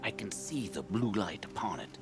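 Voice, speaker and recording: A man acting a cryptic, reverent tribal shaman craftsman in a video game, speaking in measured, halting phrases. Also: fairly low pitch, sing-song, vocal fry. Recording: loud music behind.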